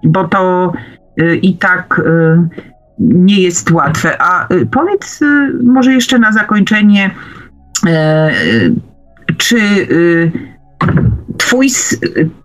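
A woman interviewing on radio, haltingly searching for words as she forms her questions. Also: lowish voice, lively intonation, soft background music, rough recording.

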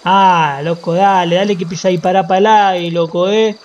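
A man with an Argentine accent streaming a roleplay game, swearing constantly and breaking into loud wails. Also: high voice, normal speed, dull audio, a little hiss or hum. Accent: Rioplatense Argentine. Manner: profane, excitable, bursts into loud wailing. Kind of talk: casual gaming chat.

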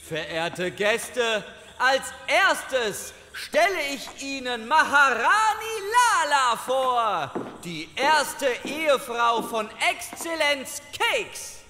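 A pompous flustered herald, super high bright voice, stammers, echoey hall. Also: male voice, big pitch swings, drawn-out words, slight background noise, exaggerated voice. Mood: ceremonious. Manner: theatrical, stammering, ceremonious. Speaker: court announcer. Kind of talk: German audio drama acting. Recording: reverberant hall.

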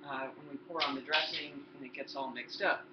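A woman's voice: low-pitched, fairly even intonation, fairly quick. A woman in her sixties giving a chatty home cooking demonstration in her kitchen, explaining each step to the viewer. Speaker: cooking instructor. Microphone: laptop built-in mic. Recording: roomy, dull lo-fi laptop sound with background noise.

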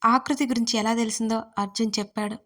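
A woman writer narrating her own romance audio story in a gentle storytelling manner. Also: a little high, steady tone, fast talker.

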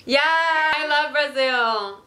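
Teasing bright-voiced young woman. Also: high voice, takes it slowly, reverberant. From Canada. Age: 20s. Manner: teasing, deadpan jokes. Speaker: host. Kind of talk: casual video chat with strangers. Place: bedroom.

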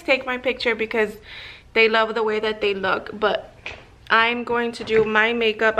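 A woman's voice: on the high side, a bit bright, a little hiss or hum. A woman in her thirties, a vlogger and makeup artist, chatting casually to the camera in a small office, rambling with lots of fillers and restarts. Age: 30s. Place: small office room indoors. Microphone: camera at desk, close framing.

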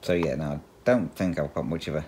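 A middle-aged Englishman whose speech carries a faint Australian twang talks in a very low voice. He rambles casually while stitching, restarting sentences, filling pauses with ums and chuckling often. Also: a little mellow, a little hiss or hum. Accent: English with a slight Australian twang. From England. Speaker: cross-stitch vlogger.

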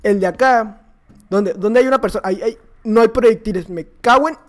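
A man with a Mexican accent and a fairly high voice commentates his own gameplay live. He is excitable and loud, shouting at opponents and repeating quick exclamations. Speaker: YouTuber playing a block-building game.

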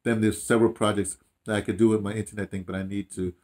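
An older man with an American accent chats casually, telling stories in an animated, rambling way with repeated phrases and slangy asides. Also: fairly low pitch, quick pace. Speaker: interviewee, audio dramatist. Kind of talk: casual chat, storytelling. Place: small room indoors, seated.

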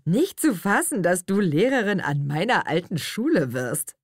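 A woman's voice: fairly low pitch, very animated, normal speed, husky, no echo, clean studio sound, voice pushed up. A woman reading an audiobook, playing a cocky young man who speaks in a sarcastic, teasing way. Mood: mocking.

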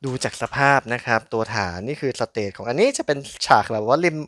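Male unboxing host, bright tone, dry sound. Chatty, polite, informal hands-on commentary, thinking out loud. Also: mid-range voice, fast, no echo. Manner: polite, chatty, thinking aloud while handling objects. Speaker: host of a collectible toy unboxing channel.

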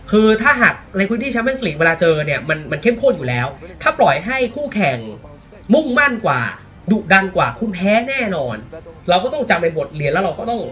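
A man from Thailand giving casual, animated football commentary, often exclaiming, with faint music behind him. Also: high-pitched.

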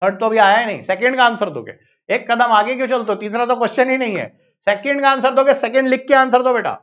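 A man with an Indian accent teaching biology in a live online exam-prep lecture, brisk and coaxing, repeating phrases to hurry his students along. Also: very high voice, a bit bright. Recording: slightly dull lo-fi audio.

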